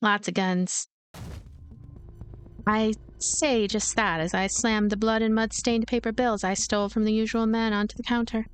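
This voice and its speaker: A woman reading a game's story aloud as a let's play host, with expressive narration and casual asides. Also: on the high side, normal speed, few pauses, clear, resonant tone, faint music behind. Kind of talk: voiced narration with casual commentary.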